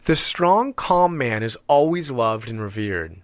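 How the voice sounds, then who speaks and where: A man reading an audiobook as scripted narration, with measured, deliberate phrasing and emphatic pauses. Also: medium pitch, expressive, no room sound.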